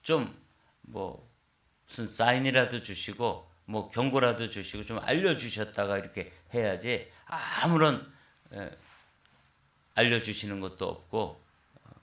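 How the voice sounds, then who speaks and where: A man's voice: lowish voice, animated, a little slow, a bit bright. A man acting out an indignant young man protesting. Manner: pleading, protesting. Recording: echoey church sanctuary.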